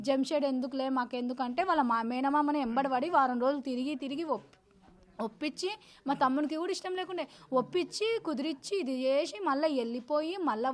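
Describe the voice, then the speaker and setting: A woman, giving an urgent news interview as the victim's elder sister. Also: high voice. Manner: agitated, rapid and insistent; urgent, grieving recounting.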